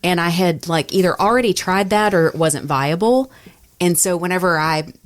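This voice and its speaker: A woman's voice: lowish voice, normal speed. A woman telling work stories in a casual podcast conversation, speaking in a candid, reflective way as a radio personality.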